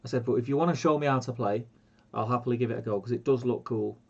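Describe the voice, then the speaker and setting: A man's voice: medium pitch, fast, breathy edge, lo-fi sound. A man who sounds stuffed up with a cold, co-hosting a casual livestream and often restarting his sentences. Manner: hesitant, many restarts. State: congested, bunged up. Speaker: co-host.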